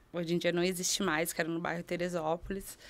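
A woman speaks with a Rio Grande do Sul accent. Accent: southern Brazilian Portuguese (gaúcho). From southern Brazil. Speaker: university professor. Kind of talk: casual interview. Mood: warm, animated storytelling. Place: studio. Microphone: studio mic.

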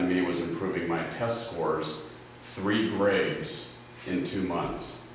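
The recording has strong room echo. Light background noise is also present. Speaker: youth camp staff. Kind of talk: public comment. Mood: positive, appreciative. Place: meeting room. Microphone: camera far.

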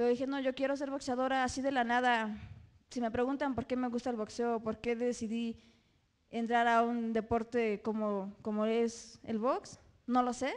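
Over a quiet background, a woman with a Mexican accent speaks at a high pitch with monotone, flat intonation. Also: moderate pace. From Mexico, State of Mexico, Toluca area; State of Mexico, Mexico. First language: Otomi (speaking Spanish). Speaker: professional boxer; speaker. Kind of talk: motivational talk. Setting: stage with audience. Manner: halting. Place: hall. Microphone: handheld.

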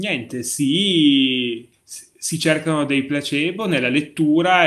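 Very slowly, a man talks while the background stays quiet. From Piedmont, Asti; Piedmont. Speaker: writer; interview guest. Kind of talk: interview. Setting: video call. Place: home room.

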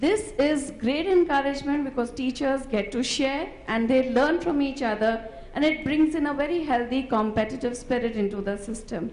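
With hardly any pauses, a woman speaks at a high pitch and a moderate pace with lively intonation, amid audible room echo and light background noise. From India. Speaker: school principal; school educator in the audience. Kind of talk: audience contribution. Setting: conference hall with audience. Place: hall. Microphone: handheld.

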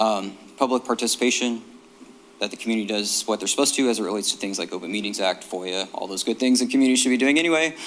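A man with a medium pitch rattles along at a very fast pace, his pitch varying in an ordinary way. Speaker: state historic preservation officer. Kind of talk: presentation to a commission. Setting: city planning commission meeting. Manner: frequent filler ums.

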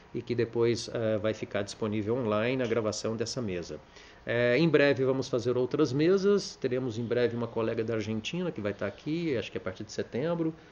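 The man's intonation is lively and his pitch sits in the medium range. He talks at a fairly quick pace. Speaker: debate moderator, political science professor. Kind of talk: moderating an academic panel.

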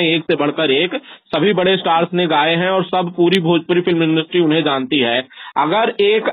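Pitched high for a man, this male voice shows ordinary pitch variation. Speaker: journalist. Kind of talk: phone interview questions. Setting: phone line.

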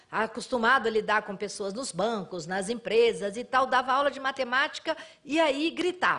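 A woman's high, bright, sharp voice with lively intonation at a moderate pace, over a quiet background. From Rio de Janeiro, Brazil. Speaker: sailor and author. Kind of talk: storytelling talk to audience. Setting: stage with audience. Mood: cheerful, amused storytelling. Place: studio. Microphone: podium.

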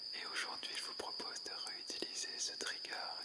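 Whispering at a fairly slow pace, the speaker is heard through noticeable background noise. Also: man. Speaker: ASMR creator. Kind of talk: ASMR video introduction. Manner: whispered.

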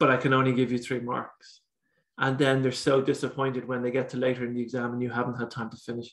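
A man with an Irish accent, very fast and monotone with flat intonation, against a quiet background. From Ireland. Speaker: exam tutor. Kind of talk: lecture. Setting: video call. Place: home room. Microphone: video call.

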